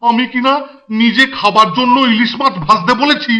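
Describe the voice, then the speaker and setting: High-pitched, blustering cartoon schoolmaster. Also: male voice, moderate pace, very noisy. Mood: angry scolding. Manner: blustering, repeats words excitedly. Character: fussy, irascible schoolmaster, greedy and blustering. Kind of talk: cartoon voice acting. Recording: cartoon music behind the voice.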